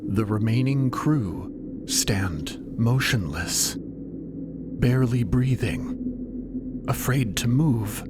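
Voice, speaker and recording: A man's voice: mid-range voice, lively intonation, drawn-out words, long pauses, whispered. A man narrating an audio fiction story with a dramatic delivery. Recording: loud music behind.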